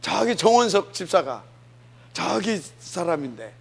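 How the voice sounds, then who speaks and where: Preaching in a church sanctuary, this Jeolla-born pastor from South Korea has a high-pitched, slightly rough voice with vocal fry and big pitch swings, at a measured pace. He talks to the congregation conversationally and often poses rhetorical questions.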